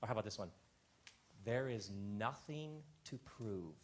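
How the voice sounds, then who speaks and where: A man hosting a live stage talk, a reflective storyteller who drops soft on his key lines. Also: on the low side, expressive, a little slow, slight background noise. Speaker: host. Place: live theater stage before an audience.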